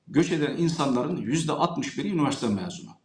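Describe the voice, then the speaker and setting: This man talks at a moderate pace, his intonation lively and his voice somewhat breathy. Audible room echo surrounds the recording. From Turkey. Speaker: journalist and documentary producer; journalist guest. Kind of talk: interview. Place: home room. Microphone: video call.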